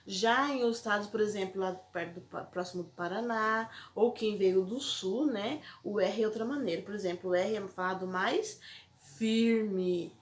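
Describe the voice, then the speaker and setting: A Brazilian woman with a Brazilian Portuguese accent teaches a primary school lesson, speaking patiently and often checking in with the children. Her mid-range voice moves at normal speed with few pauses, and the classroom recording sounds echoey.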